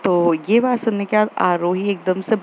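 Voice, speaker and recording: A woman's voice: medium pitch, moderate pace. Chatty woman retelling a romance story. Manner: retells dialogue in a loose chatty way, many fillers and "she says". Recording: slightly dull lo-fi audio with faint background noise.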